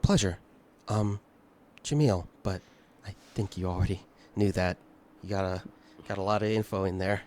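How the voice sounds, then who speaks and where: A man playing a lonely, resigned dead climber in a tabletop game, halting, subdued and unsure. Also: low voice, darkish tone, a little hiss or hum, close to an everyday voice. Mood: polite, accepting.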